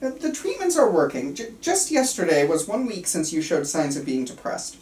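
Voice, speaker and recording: A woman's voice: lowish voice, huge pitch swings, normal speed, darkish tone. A woman playing an earnest, controlling male psychiatrist at a script table read, stumbling slightly and speaking clinically and insistently. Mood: calm, clinical. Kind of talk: table reading of a film script. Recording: roomy, distant mic, faint room noise.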